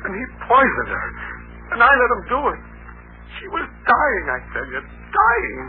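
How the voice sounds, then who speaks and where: An actor playing a jumpy, insistent retired adventurer who protests in emphatic bursts, in 1940s radio acting style. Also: male voice, very high-pitched, wildly swooping pitch, measured pace, faint music behind, exaggerated voice. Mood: frantic. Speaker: lead in a radio play. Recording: tinny old radio broadcast, faint hiss.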